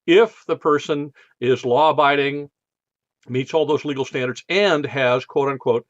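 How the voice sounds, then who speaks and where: A man's voice: medium pitch, unhurried, no room sound, highs cut off. An American man hosting a podcast in a casual monologue, his speech slightly slurred by a numb mouth after dental work. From United States. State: left side of face numb from dental visit. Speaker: podcast host.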